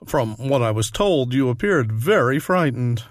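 A man voices a patient psychiatrist who speaks in a soothing, measured, clinical way in a comic radio play. His voice sits in a middle range, recorded dry and close. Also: medium pitch, animated, no echo, lightly acted. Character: calm, patient male psychiatrist.

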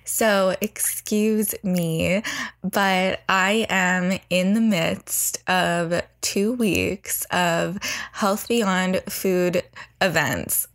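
A woman's voice: on the low side, gravelly, fairly bright tone. A young woman hosting her podcast in a chatty, upbeat way, sounding groggy with her morning voice as she records from bed on a studio mic. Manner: chatty, upbeat, rambling updates. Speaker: podcast host. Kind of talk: casual solo podcast chat. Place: in bed, indoors. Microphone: new heavy studio microphone.

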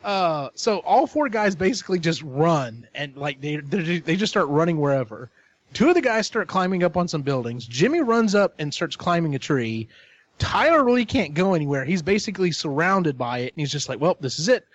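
A man retells a story in casual chat with a fairly high, very lively voice. He talks in an animated way and swears freely. The recording sounds dull and lo-fi. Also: moderate pace, dry recording.

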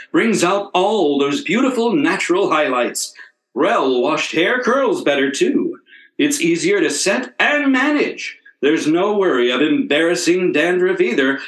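A man delivers a scripted old-time radio commercial as announcer. His voice moves up and down in a lively way, with roomy echo around it. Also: fairly high pitch.

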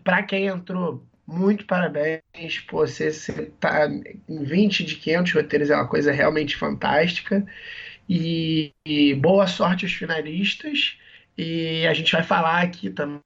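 A man, hoarse from a cold, co-hosting a podcast in casual, rambling chat with many restarts. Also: fairly high pitch, steady tone, a little slow, a bit bright, highs cut off. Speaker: podcast co-host.

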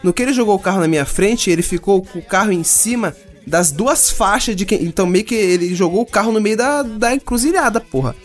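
A young Brazilian man tells a story in a casual chat full of slang and swearing, acting out the other people involved. His voice is high and fairly quick with few pauses, over soft background music.

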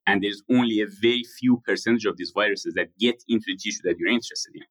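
A man, answering interview questions in a measured, explanatory way with frequent pauses. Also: fairly low pitch, a bit bright, no echo. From Iran. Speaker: guest founder.

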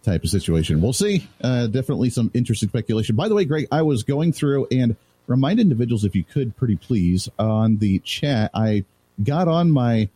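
Man, fill-in radio host, mellow tone, husky, casual banter. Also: medium pitch, sing-song, fairly quick, no echo. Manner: chatty, asks questions, laughs easily. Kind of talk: casual talk radio chat.

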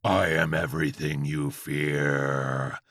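A man voicing a menacing, possessive demonic Chihuahua with a deep growl and slow, commanding delivery, in a narrated story. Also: level tone, a bit bright, no echo, studio quality, exaggerated voice.

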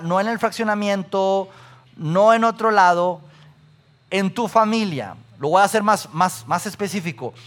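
A man preaching a sermon, animated, asking the congregation questions and listing examples. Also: sits high. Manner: animated, asks the audience questions, repeats lists. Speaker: pastor.

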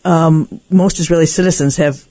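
A woman's voice: low-pitched, fairly even intonation, moderate pace, warm tone, no room sound. A woman hosting a radio interview, asking questions and reading news items. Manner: inquisitive, reads news items. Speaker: radio show host.

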